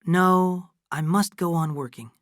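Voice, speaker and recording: A woman reading aloud, voicing a young woman who speaks softly and with restraint. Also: on the low side, steady tone, a little slow, no room sound, clean studio sound, voice pushed up, close to an everyday voice. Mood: gentle. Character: young woman, gentle daughter turning cold.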